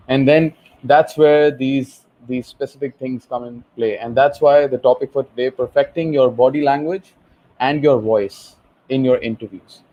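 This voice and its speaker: A man's voice: mid-range voice, dull audio. A man with a Pakistani accent hosting an informal online session, explaining things with some repetition and rephrasing over an internet call. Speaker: host, HR professional.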